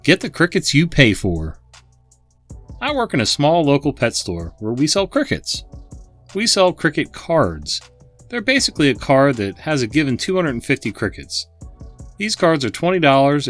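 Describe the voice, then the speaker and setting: A man's voice: mid-range voice, huge pitch swings, moderate pace, a bit bright, faint music behind. A man hosting a channel, reading online stories aloud with chatty asides to his viewers. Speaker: host and narrator.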